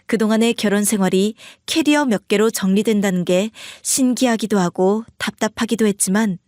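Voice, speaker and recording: A woman's voice: medium pitch, darkish tone, no echo, clean studio sound. A woman narrating a first-person story as the wife and speaking her lines in a cold, firm way.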